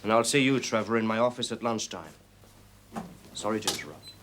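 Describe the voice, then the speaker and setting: Male actor as a stern teacher, clipped and commanding, lively intonation. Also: lowish voice, fairly quick, noisy background, lightly acted. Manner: curt, authoritative.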